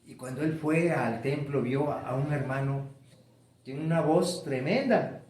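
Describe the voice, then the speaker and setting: A man's voice: fairly high pitch, a little mellow, roomy sound. A man preaching a sermon, stretching key words and building emphasis. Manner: preaching with rising emphasis and drawn-out stresses. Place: church sanctuary.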